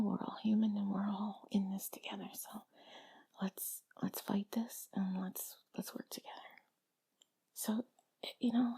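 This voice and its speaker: Breathy, whispering woman, hushed and reassuring. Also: mid-range voice. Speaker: audio creator speaking to listener. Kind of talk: intimate comforting whispered talk.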